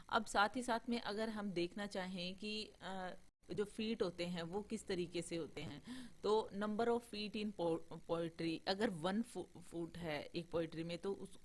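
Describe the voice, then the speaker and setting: A woman with a lowish voice teaches an online class about poetic meter, weaving English terms into her explanation. She often uses filler sounds and restarts her sentences.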